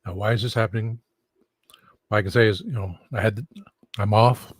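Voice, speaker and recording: A man's voice: fairly low pitch, fairly even intonation, a little fast, husky, no room sound. A man streaming casual talk, rambling and meandering as he goes. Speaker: streamer, host. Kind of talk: rambling casual livestream chat.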